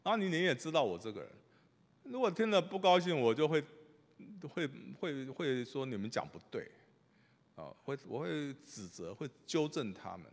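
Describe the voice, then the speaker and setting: A middle-aged man, a pastor, preaching a sermon with animated storytelling, swinging from loud bursts to hushed asides. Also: fairly high pitch, normal speed. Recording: long reverb of a large hall.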